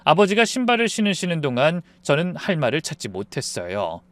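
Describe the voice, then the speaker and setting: A man narrating a first-person story in a lively, confiding, emotional way. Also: on the high side, brisk.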